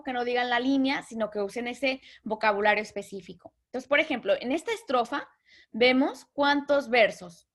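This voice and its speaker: A woman teaching a literature lesson, patiently explaining terms and slowly counting out syllables. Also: on the high side, a bit bright.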